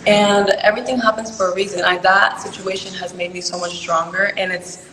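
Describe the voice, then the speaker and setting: A woman's voice: mid-range voice, flat delivery, brisk, sharp tone, a little hiss or hum. A young woman, raised in California, answering interview questions in an earnest, chatty way full of "like" and "you know". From born in Peru, raised in California. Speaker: pageant contestant interviewee. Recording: echoey room with long reverb.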